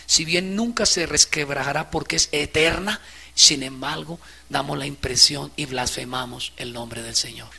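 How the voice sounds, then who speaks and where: A male pastor preaches with fervor, his fairly high voice carrying a gravelly edge. His tone is bright and sharp, and he swings from hushed, low asides to loud, impassioned peaks. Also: normal speed. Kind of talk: sermon.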